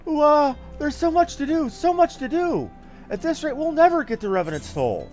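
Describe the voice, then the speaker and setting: A man's voice: very high voice, big pitch swings, moderate pace, darkish tone, faint music behind, pitched above the performer's own voice. A man voicing a small, flustered, bossy young lady from a video game, chatty and gushing as he reads the dialogue aloud. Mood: flustered, relieved. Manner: fussy, gushing, exclaiming.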